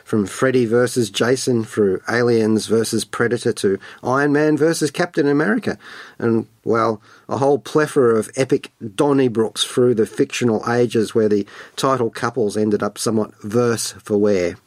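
A man presents scripted film and music commentary as a radio host. His voice sits at an average pitch and is recorded very dry. His delivery is wordy and playful, full of colloquial flourishes. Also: moderate pace, no room sound.

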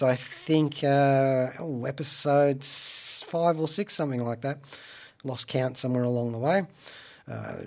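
A man hosting a radio show, chatting about pop culture in a wry, playful way with theatrical asides and deliberate phrasing. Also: a little high, darkish tone. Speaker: radio show host and reviewer. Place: radio studio.

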